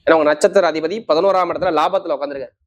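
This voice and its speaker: A man's voice: a little high, very fast. A man giving an astrology forecast to viewers in an emphatic, assuring manner, often repeating key points. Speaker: astrologer, host. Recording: slightly dull, lo-fi sound.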